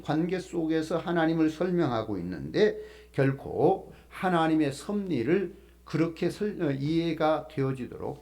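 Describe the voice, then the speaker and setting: A middle-aged male pastor giving a sermon, explaining the text patiently with many pauses and fillers. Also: mid-range voice, a little mellow.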